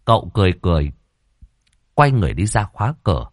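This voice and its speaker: Deep-voiced expressive male storyteller. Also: fast talker, no room sound, studio quality. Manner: expressive, dramatic pacing. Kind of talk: dramatic audiobook narration.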